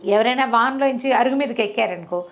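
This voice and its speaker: Female oral storyteller, slightly high pitch, colloquial and conversational with animated asides. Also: fairly quick. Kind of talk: conversational oral storytelling of a folk moral tale.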